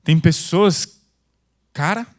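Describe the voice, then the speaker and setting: A male pastor preaching a sermon, intense and loud, with casual slang. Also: on the high side, slow. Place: church.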